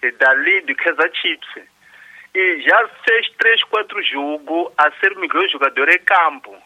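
A man's voice: fairly high pitch, unhurried, pushed and bright. A man, a sports commentator rambling through greetings to clubs and colleagues. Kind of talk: radio sports debate. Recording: dull lo-fi line.

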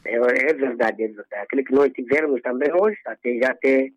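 A man's voice: medium pitch, fairly quick, dry recording. A man from Mozambique calling into a radio show, speaking earnestly with religious phrasing. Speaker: radio caller. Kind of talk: phone call to a radio show. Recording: dull phone line into radio.

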